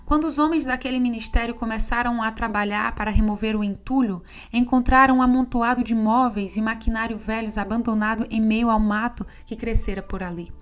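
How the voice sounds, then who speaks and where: Higher-pitched woman reading an audiobook. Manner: steady, measured reading. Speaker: audiobook narrator. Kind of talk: scripted audiobook narration.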